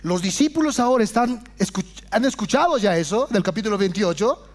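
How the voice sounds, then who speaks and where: A man preaching a sermon with passion, often dropping to hushed low phrases and calling his listeners brothers. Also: lively intonation, brisk, faint music behind. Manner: addresses congregation as brothers. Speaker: pastor.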